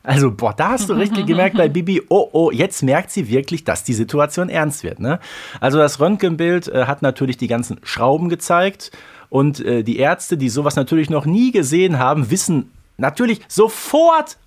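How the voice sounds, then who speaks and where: A man's voice: fairly high pitch, big pitch swings, moderate pace. A man hosting a podcast in casual chat, with many fillers. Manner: chatty, frequent fillers. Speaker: podcast host. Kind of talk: casual chat about a radio play.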